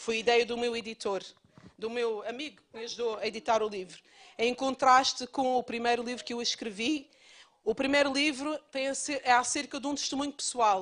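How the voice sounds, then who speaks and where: A high-pitched woman with a Madeiran accent talks at a moderate pace, with ordinary pitch variation. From Madeira, Portugal. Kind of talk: church talk presenting her book. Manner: hesitant, with fillers.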